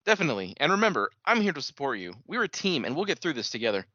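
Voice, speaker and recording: Supportive, counselor-like host played by a man, scripted read, slightly high male pitch, lo-fi sound. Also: very animated, rapid-fire, bright, forceful tone, no echo, heavily acted. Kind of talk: reading a scripted dialogue aloud.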